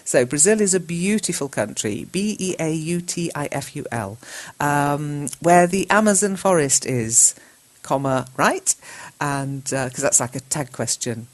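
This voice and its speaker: A woman's voice: low voice, expressive, a little slow. A woman works through learners' chat messages. She reads each line aloud and corrects it. She spells the words out letter by letter at a patient teacher's pace. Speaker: English teacher host.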